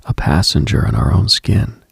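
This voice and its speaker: A man with a very low voice full of heavy vocal fry delivers an intimate late-night radio monologue. His reflective, hushed delivery is extremely husky and breathy, as a host musing on spiritual matters. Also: big pitch swings, normal speed, dry recording, clean studio sound.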